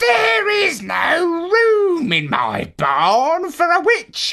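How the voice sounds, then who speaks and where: In a put-on character voice, a man talks at a very slow pace with an extremely high pitch. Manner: firm, insistent.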